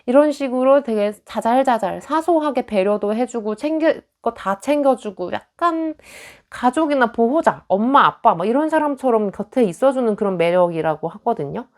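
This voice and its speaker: A woman's voice: fairly high pitch, expressive, normal speed, few pauses. A young woman in a casual tarot reading, talking chattily and acting out little quoted lines. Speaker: tarot reader.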